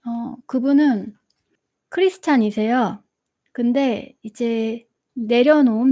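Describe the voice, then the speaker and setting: Middle-aged woman host, gentle and warm-toned storyteller, slightly high pitch, live Q&A. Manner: gentle, storytelling, laughs often. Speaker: meditation channel host. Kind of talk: live Q&A talk.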